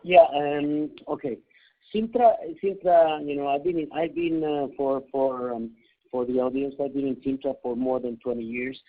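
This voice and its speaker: A man from Chile, speaking on a conference call in halting English full of fillers and restarts, over a tinny phone line. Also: medium pitch, steady tone. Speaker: executive at partner company.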